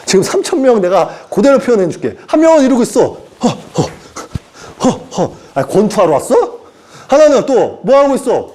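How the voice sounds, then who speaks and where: Lively high-voiced man preaching. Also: fairly quick. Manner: animated, acts out characters in put-on voices. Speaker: self-styled prophet preaching. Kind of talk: informal sermon lecture.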